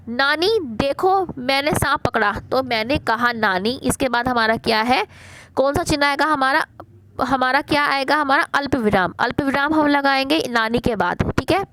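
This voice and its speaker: A woman leads a primary school worksheet lesson, voice sitting a little high. She coaxes the children along, posing questions and answering them herself. The recording is close and dry. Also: a bit bright, no echo. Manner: coaxing teacherly talk, asks and answers own questions.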